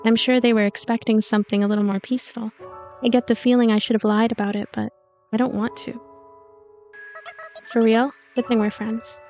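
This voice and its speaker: A woman's voice: on the high side, level tone, quick pace, darkish tone. A woman reading a visual novel aloud as a let's player, narrating the story and voicing its lines. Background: game music.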